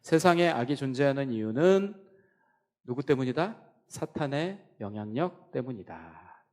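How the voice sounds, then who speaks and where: A male pastor preaching a teaching sermon in church, posing questions to the congregation and answering them, at times rising to loud, high emphasis. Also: very animated, a little slow.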